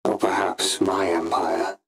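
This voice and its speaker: A man voicing an ambitious, brooding Sith Inquisitor in a pompous, deliberate, theatrical monologue for a scripted audio log. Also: low voice, little pitch movement, fairly bright tone, breathy edge, exaggerated voice. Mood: cold fury. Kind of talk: scripted in-character log narration.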